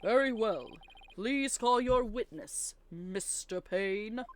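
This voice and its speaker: A woman voicing a formal, stern and easily puzzled courtroom judge for a game read-aloud, measured and authoritative. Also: fairly high pitch, no room sound. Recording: game music behind the voice.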